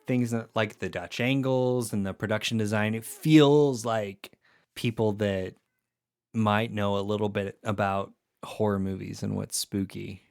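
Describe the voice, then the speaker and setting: A man's voice: lowish voice, steady tone, measured pace, gravelly, darkish tone, smooth. A man co-hosting a podcast in casual chat, laid-back with lots of filler words. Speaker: podcast co-host.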